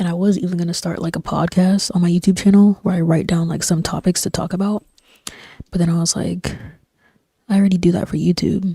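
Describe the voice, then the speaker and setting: Soft-spoken and somewhat breathy, a woman talks very fast in a fairly low, dark, mellow voice with monotone, flat intonation. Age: 20s. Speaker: gaming streamer. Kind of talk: casual chat.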